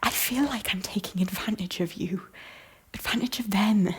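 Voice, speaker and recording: A woman playing a guilt-ridden former queen of Scotland in an audio drama, speaking earnestly and solemnly in a breathy, hushed voice. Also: mid-range voice, normal speed. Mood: guilty, weary. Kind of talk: intimate audio drama acting.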